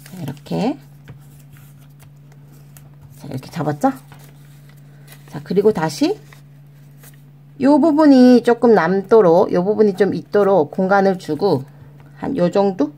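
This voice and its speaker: A woman's voice: medium pitch, lively intonation, unhurried, pauses often, mellow, slight background noise. A woman hosting a children's origami tutorial, guiding step by step in a coaxing, sing-song way and talking to the kids as her friends. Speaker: children's origami channel host.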